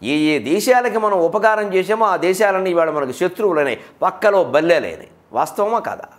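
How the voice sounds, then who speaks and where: A man's voice: high-pitched, animated, normal speed. A man giving an emphatic public lecture on literature and culture, firing rhetorical questions and mimicking others as he goes.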